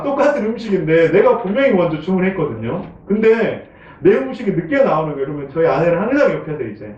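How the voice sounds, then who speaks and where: A man preaches in a church, his voice bouncing around a reverberant room and picked up from a distance. His pitch swings widely as he asks the congregation one question after another. He chuckles often. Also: darkish tone. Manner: conversational, keeps asking the congregation questions. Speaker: pastor. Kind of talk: sermon. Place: church sanctuary. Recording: echoey room, from a distant mic, dull sound.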